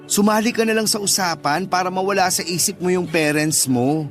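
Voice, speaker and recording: A man's voice: high-pitched, a little fast, close to an everyday voice. An actor playing a teasing, loyal young gay man in a Tagalog radio drama, with campy banter. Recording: music bed behind the voice.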